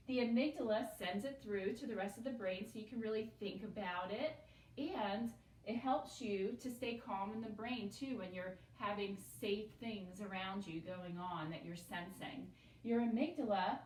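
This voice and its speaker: A woman teaching young students, explaining slowly and patiently, with call-and-response repetition. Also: fairly high pitch, darkish tone, slight background noise. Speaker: elementary school teacher. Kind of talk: classroom lesson video. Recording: echoey room, voice from a distance.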